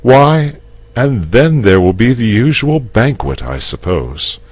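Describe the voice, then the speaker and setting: Man putting on a confident storybook knight, raised and louder voice, husky, dry sound. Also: mid-range voice, big pitch swings, takes it slowly, no room sound, pitched above the performer's own voice, heavily acted. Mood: persuading. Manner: persuasive, patient. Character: patient, confident knight, persuasive. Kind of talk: storybook reading.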